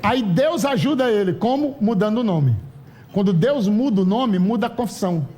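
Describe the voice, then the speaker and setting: A man with a Brazilian Portuguese accent preaching a lively, humorous sermon at a church conference. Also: high-pitched, normal speed. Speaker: pastor.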